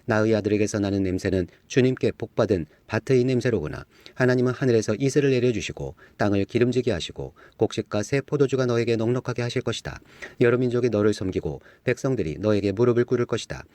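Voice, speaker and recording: A man's voice: lowish voice, animated, a little mellow, no echo, lightly acted. A man reading as a grave old father blessing his son. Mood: solemn. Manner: solemn, measured blessing speech. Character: aged blind father, solemn and grave.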